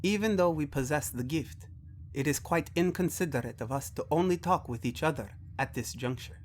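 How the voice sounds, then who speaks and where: A man voicing a calm, wise alien mentor in an audio drama, speaking gently, formally and deliberately. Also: fairly high pitch, slight background noise, voice pushed up, close to an everyday voice. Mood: gently firm.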